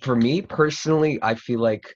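A young man hosting a casual roundtable chat over a video call, talking informally and haltingly. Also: medium pitch, dry recording, highs cut off. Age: young adult. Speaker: host. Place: small cluttered room at home. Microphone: computer mic on a video call.

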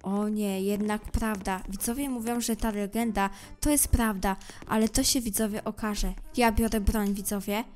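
A woman commenting on a game she is playing. She speaks to her viewers, moving from hushed suspense to loud panicked shouting. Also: medium pitch, steady tone, moderate pace, few pauses, faint music behind. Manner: talks straight to viewers, swings from hushed suspense to screaming panic. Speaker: gameplay commentator.

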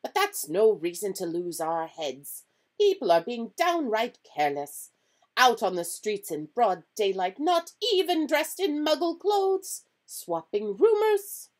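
A woman's voice: mid-range voice, big pitch swings, slow pace, pitched above the performer's own voice. A woman voicing a severe, irritable witch professor in a storybook, with a clipped, exasperated, emphatic delivery. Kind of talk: storybook character reading.

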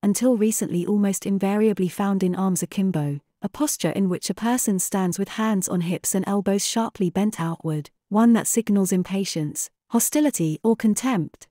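A woman's voice: mid-range voice, normal speed, hardly any pauses, mellow, no echo, studio quality. A woman reading a scripted passage aloud as a model exam answer.

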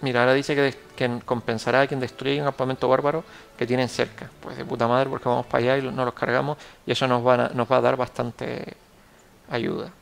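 Gravelly Canarian Spanish man thinking aloud. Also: mid-range voice, flat delivery, fast, faint music behind. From Canary Islands, Spain. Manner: rambling, self-correcting, thinking aloud. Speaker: gameplay tutorial host. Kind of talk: casual gameplay commentary.

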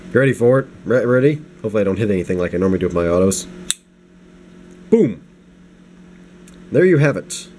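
A young man with a somewhat low voice talks at an unhurried, rambling pace as he reviews a knife at home. He sounds tired and a little sniffly from a recent flu, and he trails into side comments. A faint hum runs underneath the recording. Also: warm tone. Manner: rambling, self-deprecating, many restarts and asides. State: low energy, getting over the flu, sniffly. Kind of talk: casual unscripted product review. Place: home desk at night. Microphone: camera mic, hands-only framing. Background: space heater hum.

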